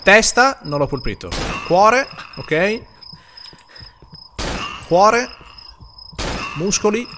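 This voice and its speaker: Man, young, horror game streamer, jumpy, swearing, lively pitch, noisy recording. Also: extremely slow, long pauses. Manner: jittery, swearing, talks to chat. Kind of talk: horror game let's play.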